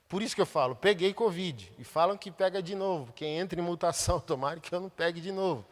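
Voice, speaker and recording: Impassioned Brazilian pastor preaching in a hall. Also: male voice, high voice, fast. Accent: Brazilian Portuguese. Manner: impassioned, colloquial preaching with sudden loud bursts. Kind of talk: sermon.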